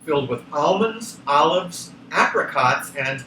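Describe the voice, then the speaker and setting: A cheerful, welcoming young storybook girl, read by a man, speaks enthusiastically in a high, lively voice. The recording is echoey. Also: measured pace, slight background noise. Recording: echoey room, distant from microphone.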